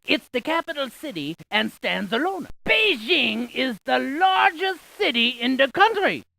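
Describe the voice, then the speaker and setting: A woman plays a quirky, talkative scientist in an educational game, reeling off geography trivia with theatrical emphasis and wordplay. Her high voice is sharp-toned and very animated, a little slow, with vocal fry and heavily acted delivery. The mood is chatty and informative.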